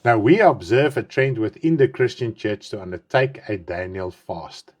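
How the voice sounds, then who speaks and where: His tone is darkish and expressive, his pace moderate. He's a South African pastor in his fifties, an Afrikaans first-language speaker with an Afrikaans accent, delivering an earnest online sermon in English. His pitch rises sharply for emphasis and sinks at phrase endings, and with a dry mouth he repeats and rephrases himself.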